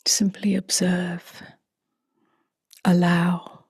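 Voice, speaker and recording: A woman leading a guided meditation in a soft, breathy half-whisper, with calm, gently spaced phrases. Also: on the low side, very slow, dry recording, clean studio sound. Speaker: meditation teacher.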